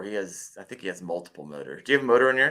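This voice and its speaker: Talking very fast with lively intonation, a man uses a medium pitch and vocal fry. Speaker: podcast host, kayak angler. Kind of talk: casual interview chat, livestream. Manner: animated, stumbling.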